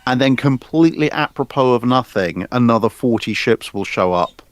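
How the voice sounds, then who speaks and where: A man's voice: medium pitch, animated, normal speed. A man chatting casually and unscripted about history as a co-host, telling it like a jokey storyteller. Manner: jokey storyteller, acts out mock announcements. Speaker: co-host commenting on naval history.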